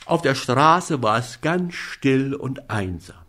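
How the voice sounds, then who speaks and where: Slow, expressive male storyteller. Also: mid-range voice. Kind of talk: reading a fairy tale aloud.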